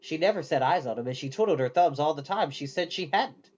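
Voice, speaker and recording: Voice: medium pitch, animated, a little fast, darkish tone, lo-fi sound, close to an everyday voice. A storyteller voicing an earnest, friendly teenage boy wizard's apprentice in a storybook, eager and reassuring.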